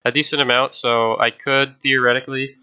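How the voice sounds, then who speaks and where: A young man hosting a gaming video speaks a little fast in a medium-pitched, level voice that is bright, forceful, clear and resonant. Though sick and congested with a nasal tone, he keeps up chatty, easily distracted commentary for his viewers.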